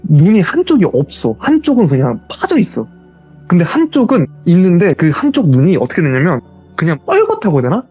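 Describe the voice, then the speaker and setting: A man telling his own ghost story as a guest, in a casual, animated retelling. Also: high-pitched, a little fast, slightly rough, soft background music.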